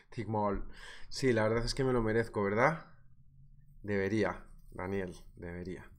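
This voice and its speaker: A man's voice: lowish voice, measured pace. A man in his thirties with a Spanish accent from Spain, hosting a live trading webinar from a small room, talking through a sore throat from a cold. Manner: lively, chatty, addresses viewers directly. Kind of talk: live market analysis webinar, reading viewer comments. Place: small indoor room at a desk.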